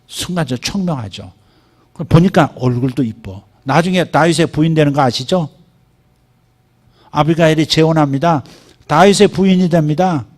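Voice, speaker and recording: A middle-aged man preaching a sermon as pastor, animated, acting out quoted speech in a rising voice. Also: fairly high pitch, moderate pace.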